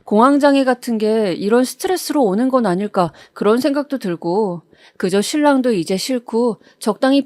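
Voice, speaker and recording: In a steady storytelling manner, a woman reads a first-person true account, her voice pitched a little high. The close studio mic captures no room sound.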